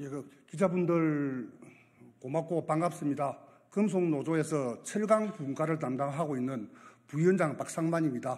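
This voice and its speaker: A man's fairly high voice at a fairly slow pace, with ordinary pitch variation and big swings in loudness. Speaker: labor union official. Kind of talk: press conference statement.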